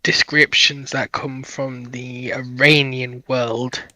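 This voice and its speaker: Bright-voiced, precise man, dry sound. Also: mid-range voice, level tone, takes it slowly, no echo, low-quality recording. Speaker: panelist. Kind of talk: casual history discussion.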